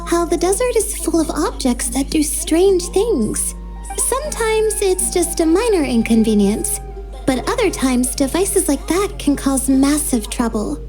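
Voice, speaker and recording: A woman voicing a sleepy, hesitant young female scholar in a game, speaking slowly and stammering at times. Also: extremely high pitch, very animated, dark tone, heavily acted. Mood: reflective. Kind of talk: game dub acting. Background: game music.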